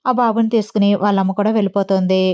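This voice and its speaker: A woman's voice: mid-range voice, fairly even intonation, fast talker, clean tone. A woman narrating a homemade story in a casual storytelling style, reading all the characters in her own voice. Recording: dull lo-fi sound.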